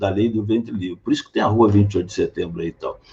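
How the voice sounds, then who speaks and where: Against a quiet background, a man speaks with a fairly low pitch. His voice is somewhat breathy, with a dark, mellow tone. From Rio de Janeiro, Brazil. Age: 60s. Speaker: doctor and political candidate. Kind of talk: interview. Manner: animated.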